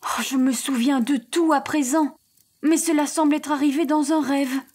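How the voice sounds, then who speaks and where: Woman doing a gentle young prince, soft wondering voice, high and light. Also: steady tone, normal speed, close to an everyday voice.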